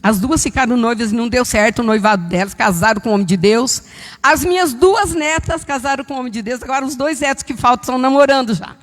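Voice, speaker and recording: Older lady in her 70s giving a church testimony, high voice, big echoey hall. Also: fast talker. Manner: fervent, storytelling with quoted dialogue. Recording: long church hall reverb.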